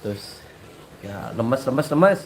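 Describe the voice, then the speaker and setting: A man with a Cirebon accent and a blocked, nasal voice, hoarse from a cold, talking in a rambling, repetitive, joking way to his subscribers. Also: mid-range voice, sing-song, slow pace, slight background noise. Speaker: religious teacher and channel host. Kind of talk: casual talk to subscribers with sung prayers.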